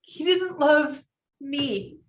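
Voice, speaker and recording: A woman's voice: high voice, drawn-out words, roomy sound. A woman reading the part of an emotional, self-critical woman in her thirties from a romantic comedy script. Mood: wounded, bitter. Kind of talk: virtual table read of a film script.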